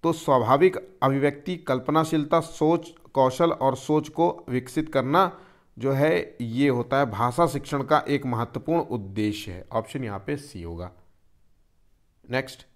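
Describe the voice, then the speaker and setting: A man's voice: mid-range voice, a little slow. A man teaching an exam-prep lesson, explaining step by step and posing questions he then answers himself.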